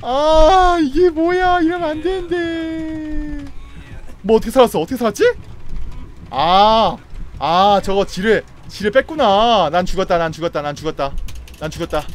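A man streaming a game, commenting excitedly with loud outbursts and frantic repeated words. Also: very high-pitched, a little slow, a little hiss or hum. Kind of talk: excited live gameplay commentary.

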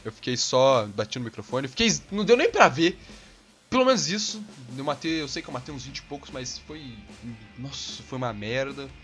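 A young Brazilian man with a Brazilian accent giving hot-tempered gameplay commentary, swearing and bursting into yells. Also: mid-range voice, animated, moderate pace, faint music behind. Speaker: gaming channel host.

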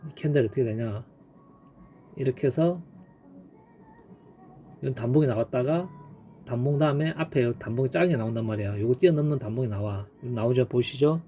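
A man's voice: mid-range voice, a little fast, pauses often, warm tone, faint music behind. A man teaching stock chart trading in a casual, emphatic way, repeating key points and punctuating them with sound effects. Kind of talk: casual screen-share chart lesson.

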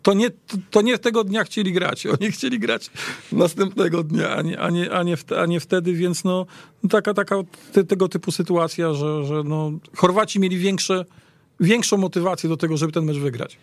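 Male football panelist, slightly high pitch, halting conversational delivery, very dry radio studio. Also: vocal fry, no echo. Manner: halting, repeats words mid-sentence. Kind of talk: casual sports discussion.

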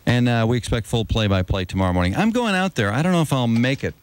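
Fast, smooth and lively in intonation, this medium-pitched American man trades casual banter as a morning radio host. He sits close to a studio broadcast microphone with headphones on.

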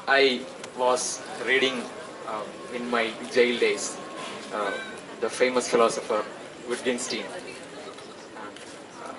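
A young South Asian man addresses an outdoor gathering in a halting, hesitant way, with a mid-pitched voice. He speaks through a handheld microphone, picked up from a distance with loud outdoor noise around him. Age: 20s. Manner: halting, hesitant delivery with frequent pauses. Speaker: student activist speaker. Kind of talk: public protest speech. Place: outdoors at night, open-sided tent gathering. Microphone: handheld microphone through PA, recorded by camera.

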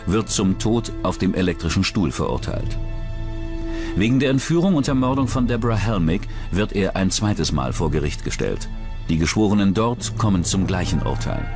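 Deep-voiced man narrating true-crime documentary.

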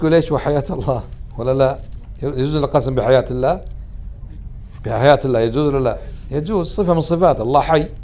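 A man, a sheikh teaching a religious lesson who keeps putting questions to his listeners and mixes colloquial words into formal speech. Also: medium pitch. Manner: questions the audience often, then answers himself.

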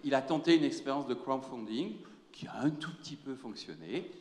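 A man moderating a round table in an animated, joking, teacherly way, on a handheld mic in a large lecture hall. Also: medium pitch, normal speed. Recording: echoey hall, long reverb.

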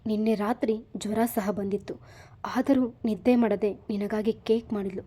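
A woman voicing a caring, worried old grandmother who pleads gently. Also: medium pitch, steady tone, moderate pace, close to an everyday voice. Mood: gently explaining. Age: older.

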